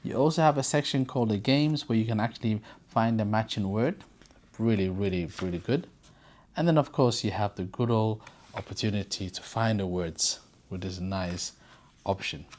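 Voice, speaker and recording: A storyteller reading aloud for children and chatting casually to viewers in an expressive, informal, encouraging way. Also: mid-range voice, moderate pace. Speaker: storyteller and presenter.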